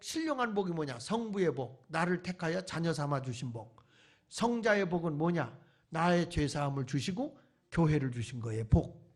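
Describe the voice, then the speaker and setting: A man's voice: on the high side, darkish tone, husky. A male pastor preaching at a church revival meeting, firing rhetorical questions at the congregation and mixing in folksy humor. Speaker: pastor, guest revival speaker. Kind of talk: sermon.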